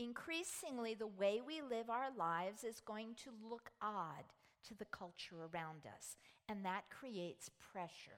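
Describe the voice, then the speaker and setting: This woman has an ordinary speaking voice and an American accent. Her fairly high pitch carries lively intonation at a fairly slow pace. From US Northeast. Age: 60s. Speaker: women's ministry speaker. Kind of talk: sermon. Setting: stage with audience. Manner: warm, humorous.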